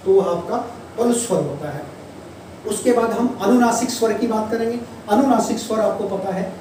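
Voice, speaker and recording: A man teaching Hindi grammar in a classroom-style lecture, explaining patiently and drawing out examples slowly. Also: high voice, warm tone. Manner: explains patiently, repeats key terms and drawls examples slowly. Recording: distant mic, echoey room, faint noise.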